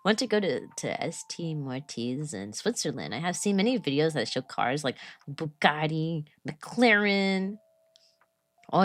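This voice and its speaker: A woman livestreaming in a loose, chatty way, answering chat as she rambles from one thing to the next. Her voice is raspy and a little weak from allergies, yet it keeps a bright, forward edge. Soft music plays faintly behind her. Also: on the low side. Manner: chatty and rambling, casual slang. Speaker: VTuber streamer. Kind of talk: casual livestream chat, replying to chat.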